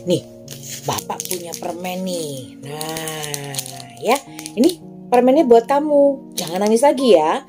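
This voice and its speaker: A woman's voice: lowish voice, slow, over music. A woman voicing a kindly, fussing man who coaxes a crying child, repeating his exclamations in a flustered way. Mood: coaxing.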